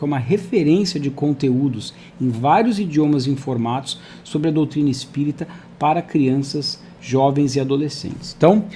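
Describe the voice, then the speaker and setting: A man's voice: mid-range voice, mellow, slight background noise. A man hosting a live online interview over a video call, chatty and friendly, talking to viewers and his guest. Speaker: host.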